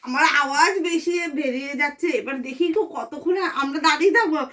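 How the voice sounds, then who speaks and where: A woman's voice: sits high, fast, pushed and bright. A woman vlogger chatting casually at home, giggly and trying to hold back her laughter. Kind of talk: casual vlog chat.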